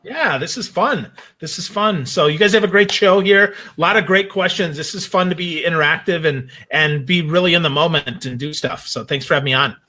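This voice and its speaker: Male talk show guest, forceful bright tone, slightly high voice, blunt and animated in casual conversation. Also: fairly quick, few pauses. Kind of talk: casual opinionated chat.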